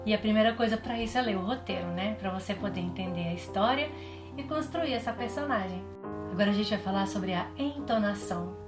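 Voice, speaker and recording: A woman with a Brazilian accent giving a drama lesson, explaining clearly and demonstrating. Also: medium pitch. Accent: Brazilian Portuguese. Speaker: drama teacher. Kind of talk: recorded online lesson. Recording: echoey room with faint music.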